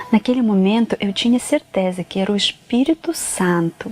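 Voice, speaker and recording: Over noticeable background noise, a woman with a Russian accent speaks at medium pitch and a fairly slow pace, with ordinary pitch variation and a dry, close sound with no echo. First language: Russian (speaking Portuguese). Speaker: church member. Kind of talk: testimony.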